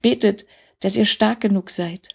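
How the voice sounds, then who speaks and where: A woman voicing Jesus as a gentle, sorrowful grown man in a storybook reading, speaking softly and earnestly. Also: medium pitch, fairly even intonation, unhurried, creaky, breathy edge.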